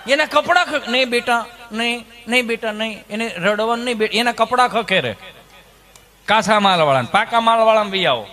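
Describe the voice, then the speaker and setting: A male stand-up comedian with a Kathiawadi Gujarati accent, storytelling with lots of animation. His voice is very high and bright, with a sharp edge. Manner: animated, mimicking people in his stories.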